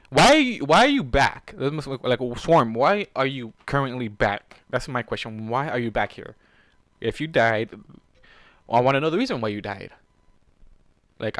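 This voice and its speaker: A man's voice: mid-range voice, fairly bright tone, dry recording. A man reading fan fiction aloud and breaking off for incredulous, sweary, casual commentary.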